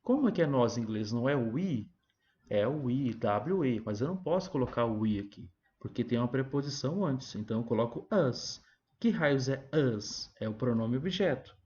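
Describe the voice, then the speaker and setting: Teacher explaining grammar step by step. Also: male voice, medium pitch, animated, normal speed, darkish tone, muffled recording. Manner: explains step by step, asks himself questions and answers them; keeps adding "tá?" and "ó". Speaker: English teacher. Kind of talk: recorded classroom review lesson.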